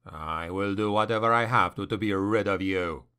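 A man's voice: on the low side, normal speed, bright, forceful tone, clean tone. A man voicing a grim, ambitious male noble warrior who speaks in a cold, defiant growl.

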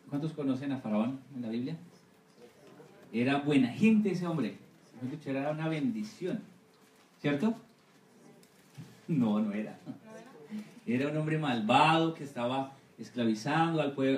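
A missionary pastor giving a Sunday school sermon, often asking the congregation for agreement with amen and right. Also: male voice, mid-range voice, darkish tone, recorded from a distance, a little hiss or hum. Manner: asks the congregation for assent, repeating amen and right. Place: church hall. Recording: echoey room, voice from off-mic.

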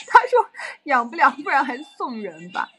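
A woman's voice: sits high, a bit bright. A young adult woman chatting casually on a livestream and telling stories animatedly with frequent laughs.

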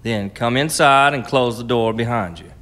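A man performs a stern storekeeper in a frontier radio play. His voice sits at an average pitch, and his words are curt, guarded and commanding. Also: normal speed, fairly bright tone, lightly acted. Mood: wary, stern. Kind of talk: radio drama acting.

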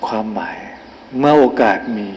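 A man's voice: moderate pace, a little mellow, big-room sound, slight background noise, poor audio. A man, a Buddhist monk, giving a dharma sermon with rhetorical questions and emphatic repetition. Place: temple hall.

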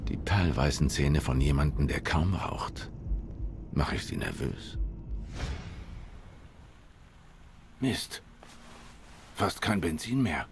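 An actor playing a hard-boiled black cat private detective in a noir game, measured, serious and terse. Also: male voice, rumbling low, sing-song, creaky, noisy background, heavily acted. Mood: musing. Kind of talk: cinematic noir game acting.

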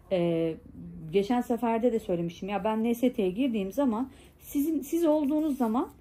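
A young woman vlogger tells her viewers about a quarrel, indignant and full of quoted dialogue with constant asides. Her voice sits a little high, but the tone is dark and mellow. She is pregnant and talks in a casual storytelling way. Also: slight background noise.

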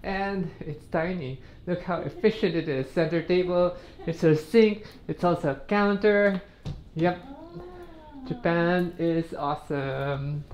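A woman with a fairly low, slightly mellow voice speaks slowly as she narrates a casual travel vlog on the move. She's upbeat and chatty across airports, streets and a hotel room, with noisy street ambience behind her.

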